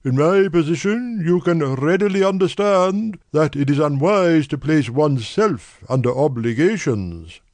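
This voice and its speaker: A man voicing an imperious aristocratic gentleman who speaks high and pressing. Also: lively intonation, measured pace, few pauses, no room sound. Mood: haughty urgent. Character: aristocratic male client, haughty, hurried.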